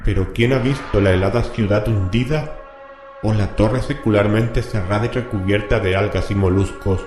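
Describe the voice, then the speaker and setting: A man's voice: lowish voice, darkish tone, close to an everyday voice. A man playing a grave, horrified scholar who reads forbidden occult scripture aloud in a solemn, ominous horror radio drama manner. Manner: slow, solemn, ominous incantatory delivery. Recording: reverberant voice with music bed.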